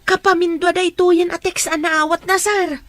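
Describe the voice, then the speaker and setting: Actress as older household woman, high-pitched, exclamatory, expressive Ilocano drama delivery. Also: normal speed, faint music behind. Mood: alarmed, insistent. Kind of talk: Filipino radio drama acting in Ilocano.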